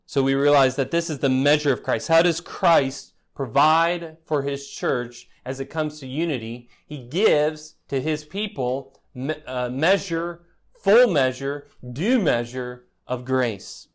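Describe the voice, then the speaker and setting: A man's voice: mid-range voice, slow. A man preaching an expository sermon as pastor, in a conversational teaching manner, often tossing rhetorical "right?" questions to the congregation with a touch of dry teasing humor.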